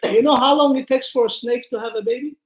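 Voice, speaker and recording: A man's voice: extremely high pitch, fairly even intonation, fast. Male rabbi, conversational storyteller giving an informal religious class, questioning listeners, recorded in an echoey room. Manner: conversational, acts out dialogue, puts questions to listeners. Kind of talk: informal Torah lesson with storytelling.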